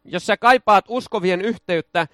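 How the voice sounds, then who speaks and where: A high-pitched man preaching with exuberant energy, his clear as he breaks into shouted hallelujahs and folksy jokes. The sound is dry and close, with no room echo. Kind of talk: charismatic sermon.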